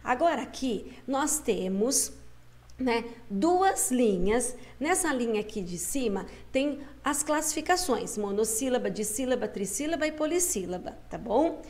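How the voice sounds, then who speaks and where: A woman teacher, guiding young pupils through a schoolbook lesson, patient and coaxing, slowing down to sound out syllables. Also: a little high, lively intonation, a little mellow.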